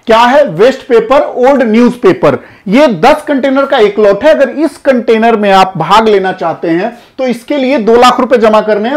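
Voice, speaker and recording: A man in his thirties who hosts a channel, explaining an auction listing to camera in a lively, direct way, recorded indoors on a lapel mic. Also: very high voice. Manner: energetic, gestures broadly, addresses viewers directly. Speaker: customs auction consultant and channel host. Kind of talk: explainer to camera in front of a screen. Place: indoor studio before a projected screen.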